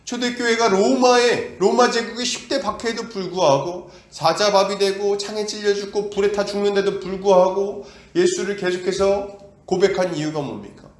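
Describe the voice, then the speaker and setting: The preacher holds a steady, high tone at normal speed, and the church gives his voice a roomy sound. He asks his listeners rhetorical questions and performs the quoted words of doubters and of God.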